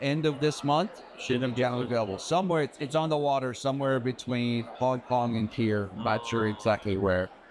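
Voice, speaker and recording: A man's ordinary speaking voice at medium pitch, with very even loudness, a fairly quick pace, hardly any pauses and ordinary pitch variation. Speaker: board game publisher manager. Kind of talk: product demo interview. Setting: trade fair booth.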